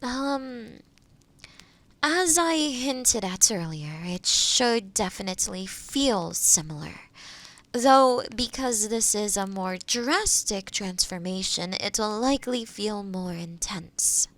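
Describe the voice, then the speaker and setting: A woman playing a kind, gentle witch in a fantasy audio roleplay, speaking to the listener in a reassuring, explanatory way. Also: mid-range voice, expressive, takes it slowly. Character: kind, gentle forest witch guiding a transformation.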